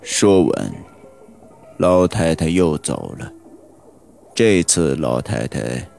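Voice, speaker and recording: Very deep, gravelly horror storyteller man. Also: very animated, darkish tone. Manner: slow, suspenseful storytelling. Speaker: audiobook narrator. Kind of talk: scripted horror audiobook narration. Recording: audiobook with background music.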